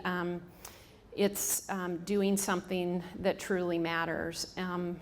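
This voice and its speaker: Speaking to a room with a live audience, this hospice staff member in her fifties has a fairly low pitch and a strong Michigan accent. Her casual public talk is peppered with ums and false starts, and there's slight background noise.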